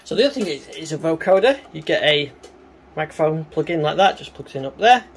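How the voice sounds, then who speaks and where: A man giving a casual, hands-on synthesizer demo, explaining informally and a little haltingly as he works. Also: a little high, animated, slight background noise. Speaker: synthesizer demonstrator and reviewer. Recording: synthesizer music behind the voice. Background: synthesizer sounds and music.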